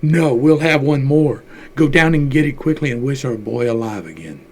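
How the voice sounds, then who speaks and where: A man's voice: medium pitch, normal speed, natural voice. A man voicing a frantic grieving old woman. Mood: pleading. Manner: cries out in wild, pleading bursts.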